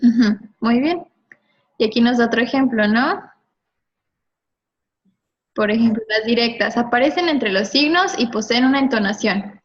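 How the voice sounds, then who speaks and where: A woman's voice: fairly high pitch, moderate pace, long pauses. A woman teaching a grammar lesson to a class, prompting students with questions and checking their answers. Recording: dull lo-fi recording.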